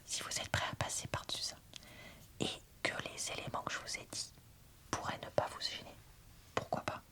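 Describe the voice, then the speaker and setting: Woman, whispered ASMR review, breathy unvoiced delivery, crisp bright edge, informal and hesitant. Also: moderate pace. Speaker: book reviewer, ASMR host.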